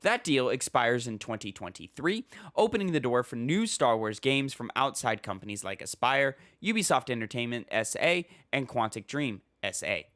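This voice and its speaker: A man's voice: medium pitch, lively intonation, moderate pace, fairly bright tone, dry recording, clean studio sound. A man hosting a casual gaming podcast with a slightly stuffy nose, rambling with fillers and reading news articles aloud. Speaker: podcast host.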